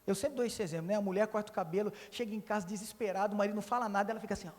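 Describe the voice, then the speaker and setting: A pastor with a notably high voice preaches in a lively, joking, emphatic way. His sermon rings out in a church, with a long reverb trailing his words. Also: very fast.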